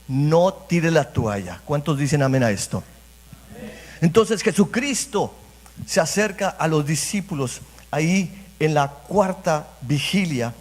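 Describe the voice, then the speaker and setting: A man preaching a sermon as pastor, repeating phrases and speaking straight to the congregation. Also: on the high side. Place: church sanctuary. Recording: reverberant church hall.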